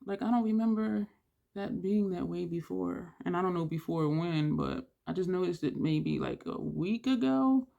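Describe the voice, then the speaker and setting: Vlogger, mid-pitch with a gravelly edge, congested-sounding, chatty makeup tutorial delivery with audible breaths. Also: normal speed, warm tone, dull audio. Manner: rambling, thinks aloud while working; audible breathing between phrases. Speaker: beauty vlogger. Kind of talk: casual makeup tutorial chat.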